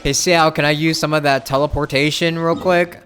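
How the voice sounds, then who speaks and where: A man's voice: on the high side, fairly even intonation, a little fast, fairly bright tone, faint music behind. A young man streaming a game with casual, informal commentary and wry asides.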